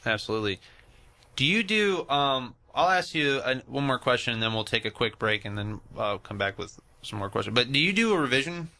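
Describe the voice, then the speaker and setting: A male radio host with a gravelly, fried edge under a bright, forceful tone. He chats casually with his guest in a radio studio and rephrases his questions as he goes. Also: medium pitch, lively intonation, brisk.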